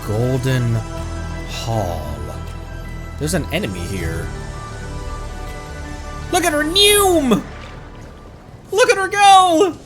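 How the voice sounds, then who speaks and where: A man streaming a video game with expressive delivery, commenting casually and reading game text aloud. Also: extremely slow, pauses often, music in the background. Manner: expressive, jumps into high-pitched exclamations.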